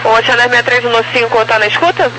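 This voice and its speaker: High-voiced man over radio static. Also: level tone, very fast. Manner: clipped, procedural. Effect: over an aviation radio. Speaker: air traffic controller. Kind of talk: radio phraseology. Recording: noisy radio transmission with static.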